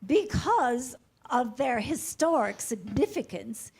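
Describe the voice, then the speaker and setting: Woman acting pompous antiques expert, high pitch, slow formal delivery, very animated intonation, condescending, stage comedy. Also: gravelly, breathy edge, heavily acted. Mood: pompous, impressed.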